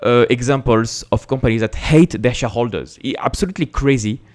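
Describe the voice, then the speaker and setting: Speaking a little fast in a mid-range, slightly mellow voice, a French-accented investing channel host from France gives a casual explanatory talk to camera. He stays emphatic, asks rhetorical questions, and often repeats words and restarts.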